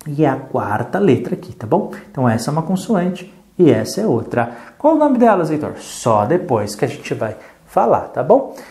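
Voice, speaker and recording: Brazilian adult-literacy teacher, mellow tone, animated pitch, patient and encouraging. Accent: Brazilian Portuguese. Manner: patient, counts aloud, checks in with "tá bom?".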